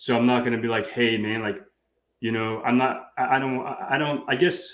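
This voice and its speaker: With a New York accent, a man of medium pitch talks at a moderate pace and with fairly even intonation. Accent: heavy New York. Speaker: cybersecurity show co-host. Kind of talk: casual chat.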